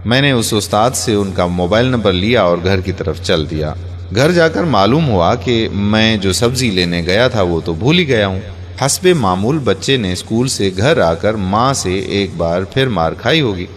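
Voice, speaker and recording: Low-voiced man narrating an earnest story. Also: animated. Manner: earnest, heartfelt storytelling that ends in pleading appeals. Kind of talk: first-person emotional story narration. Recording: long reverb on the voice.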